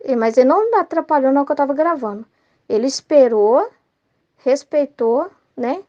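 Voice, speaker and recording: A woman's voice: sits high, lively intonation, normal speed, lo-fi sound. A middle-aged woman with a Brazilian Portuguese accent, sharing an earnest, rambling devotional reflection as a Catholic lay study leader, often tagging questions onto her sentences.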